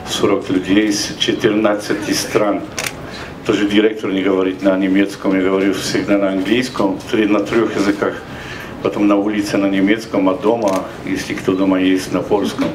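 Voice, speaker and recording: Polish-accented man with a low voice in an echoey hall. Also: little pitch movement, moderate pace, noisy background. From Poland. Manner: hesitant non-native Russian with self-corrections. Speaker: author. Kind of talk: public talk at book event. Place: large bookstore event hall. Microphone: handheld microphone. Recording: echoey hall, recorded from far off.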